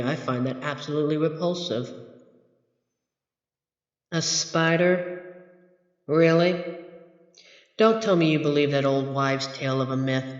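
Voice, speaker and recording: A man playing a grumpy, haughty monster from under a child's bed in an audio roleplay, speaking in a dry, pompous, deliberate way with exasperated sighs. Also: on the high side, lo-fi sound, natural voice. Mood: amused, scornful. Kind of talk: scripted ASMR roleplay audio drama. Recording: echoey, reverberant room effect.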